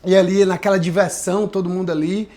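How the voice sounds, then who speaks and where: Telling his life testimony on a podcast, a pastor speaks with earnest reflection and frequent tag questions to check in. His high, slightly mellow voice is delivered flatly and fast.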